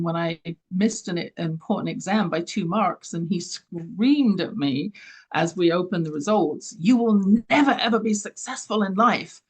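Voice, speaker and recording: A woman's voice: on the low side, breathy edge. An older Englishwoman speaks as a guest on an interview. She is a leadership coach who talks with earnest conviction and leans into her key points. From London, England. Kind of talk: interview answers.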